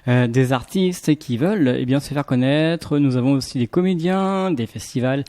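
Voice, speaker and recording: A man hosting a weekly cultural radio show, speaking haltingly with frequent filler pauses. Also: mid-range voice, mellow. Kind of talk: radio interview. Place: radio studio.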